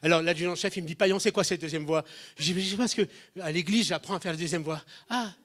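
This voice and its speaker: Speaking quickly in a higher register, a man delivers a comic sermon, spinning amusing tales for the congregation. He brings quoted people to life by imitating their voices, with lively energy and sudden jumps in volume.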